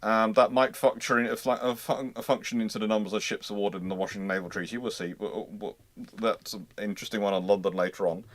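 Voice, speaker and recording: A man's voice: on the low side, fairly even intonation, no echo. Man explaining things on a dry, close recording. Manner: halting, repeats and rephrases phrases mid-thought. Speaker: host answering viewer questions on a live stream. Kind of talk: casual live Q&A with expert explanation.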